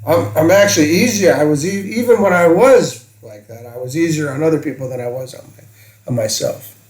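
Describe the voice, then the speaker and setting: A man in casual, reflective conversation, halting and tentative as he searches for words. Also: on the high side, a little mellow.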